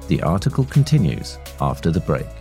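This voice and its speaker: A man's voice: deep voice, sing-song, a little fast, darkish tone, soft background music. A man narrating a magazine article from a script. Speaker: narrator of a magazine long read.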